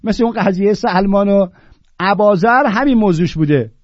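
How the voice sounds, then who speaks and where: A man delivers an impassioned lecture on Sufi poetry, swinging between loud declaiming and low, blunt, mocking asides. The recording is dry and muffled.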